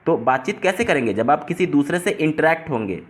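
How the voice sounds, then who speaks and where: Guy going thru an exam paper, voice a bit high, breaks every term down slow. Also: expressive. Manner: explains step by step, restating terms in simpler words. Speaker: exam tutor.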